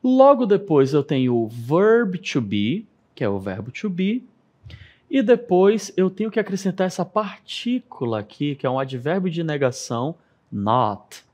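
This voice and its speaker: Patient Brazilian man teaching slowly. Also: fairly high pitch, big pitch swings, darkish tone. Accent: Brazilian Portuguese. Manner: patient, explains step by step, checks in with "ok?". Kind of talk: televised classroom lesson.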